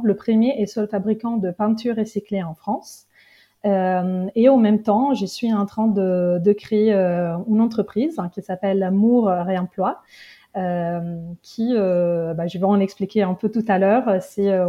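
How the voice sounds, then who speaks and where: A woman with an Italian accent talks through her story in an interview, pausing often and restarting her sentences. Her voice is warm and mellow, and the recording sounds a little dull and lo-fi. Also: mid-range voice. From Italy, Genoa. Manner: hesitant, many fillers and restarts. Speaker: guest. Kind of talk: casual interview.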